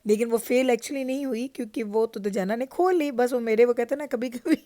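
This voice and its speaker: Chatty Pakistani mom vlogger, dry sound. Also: female voice, fairly high pitch, a little fast, warm tone, no room sound. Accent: Pakistani Urdu. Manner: chatty and storytelling, laughs often. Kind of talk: casual vlog narration. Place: home in Canada.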